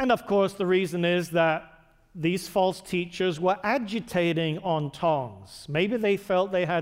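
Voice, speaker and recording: The speaker talks in a Mancunian accent with ordinary pitch variation. The recording is very clean, with a silent background. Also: man. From northern England, Manchester. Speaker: pastor. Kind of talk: sermon.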